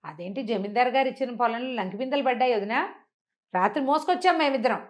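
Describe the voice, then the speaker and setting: A woman's voice: fairly high pitch, animated, quick pace, natural voice. A woman storyteller voicing a naive, hot-tempered peasant wife who scolds and complains in a folk tale. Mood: grumbling. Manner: scolding, complaining, plain-spoken.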